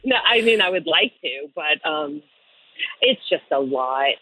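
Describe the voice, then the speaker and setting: A woman's voice: low voice, expressive, a little slow, pushed and bright. A woman being interviewed over the phone, chatty and laughing often. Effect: phone line. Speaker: interviewed mother. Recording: tinny phone line.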